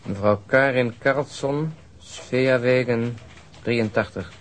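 An actor playing a sober, weary police detective in a radio crime drama, terse and subdued. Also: male voice, mid-range voice, slow, close to an everyday voice. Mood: reluctant, grumbling. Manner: terse, matter-of-fact, subdued.

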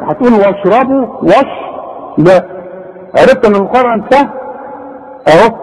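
A man with an Egyptian accent teaching Quran recitation, patiently correcting a student and demonstrating each sound slowly. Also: high voice, a little mellow, breathy edge. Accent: Egyptian Arabic. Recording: long reverb, echoey room.

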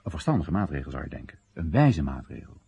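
A man's voice: very deep voice, big pitch swings, quick pace, gravelly, warm tone, husky, muffled recording, exaggerated voice. An actor playing a wry Chinese everyman who narrates and questions his country's policies in a radio drama monologue, ironic, rhetorical and theatrical. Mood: ironic, indignant.

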